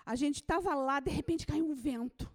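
High-pitched woman preacher; fervent sermon delivery, alternating shouted declarations with quiet, whispered moments. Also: normal speed. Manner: swings from shouted proclamations to hushed near-whispers.

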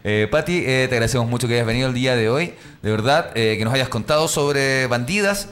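A man's voice: medium pitch, expressive, a little fast, fairly bright tone. A man hosting a casual comedy radio show, chatting in a joking, teasing, rambling way. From Mexico. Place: online radio studio.

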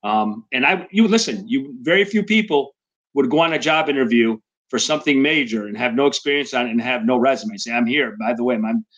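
A man explaining things in a measured way during a casual chat on an online call. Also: medium pitch, lively intonation, a bit bright, muffled recording.

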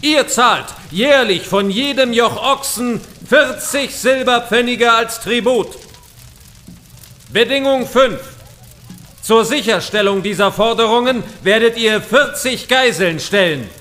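Ein Schauspieler spielt in einem historischen Hörspiel einen strengen, siegreichen dänischen König, der feierlich und gebieterisch verkündet. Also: male voice, extremely high pitch, slow pace, bright, forceful tone, exaggerated voice. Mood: stern, proclaiming. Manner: solemn, declamatory, proclaiming. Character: victorious medieval Danish king, stern and commanding. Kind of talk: historical audio drama acting.

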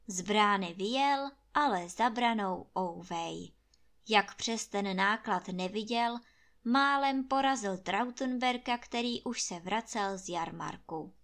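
A woman reading a fairy tale aloud, narrating in a lively, expressive way. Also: mid-range voice. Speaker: storyteller.

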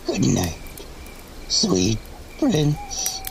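An actress playing a mad, gleeful raider woman in a dark audio drama, talking in eerie, theatrical sing-song fragments. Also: very deep voice, wildly swooping pitch, extremely slow, gravelly, noisy background, heavily acted. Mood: eerie menace.

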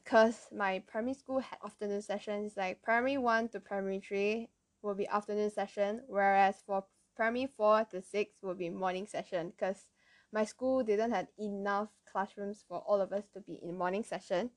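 A woman's voice: medium pitch, fairly even intonation, normal speed. A young woman with a Malaysian accent telling personal stories in casual, colloquial Malaysian English as the host of an episode. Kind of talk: casual chat, personal storytelling.

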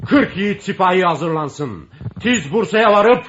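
A man's voice: high voice, expressive, a little slow. An actor playing a stern Ottoman sultan who gives imperious orders. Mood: commanding. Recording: muffled audio with background noise.

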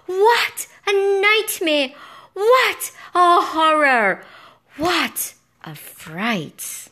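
A woman's voice: very high voice, sing-song, extremely slow, fairly bright tone, pitched above the performer's own voice, full character voice. A woman voicing a small, timid, melodramatic animal hero in a children's story. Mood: panicked. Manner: breathless, melodramatic. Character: small timid anxious mouse-like narrator hero, squeaky, dramatic.

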